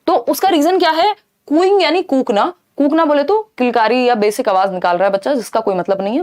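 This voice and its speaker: A fairly high-pitched woman teaches a live online class for a teaching exam. She explains each answer in a lively way, mixing in English terms, and keeps checking in with her viewers. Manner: mixes Hindi with English terms.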